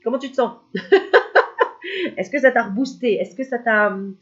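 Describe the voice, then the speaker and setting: A woman's voice: a little high, sing-song, a little slow, a bit bright, highs cut off. A woman with a cold, a spiritual medium giving a casual card reading to her viewers, chatty and joking, laughing often. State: has a cold.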